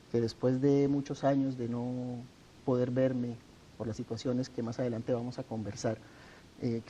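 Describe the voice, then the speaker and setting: A middle-aged man from Colombia with a Colombian accent, answering interview questions in a measured, earnest way. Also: mid-range voice, mellow, muffled recording, a little hiss or hum. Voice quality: measured, earnest, formal address. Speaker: interview guest, author. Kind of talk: sit-down TV interview.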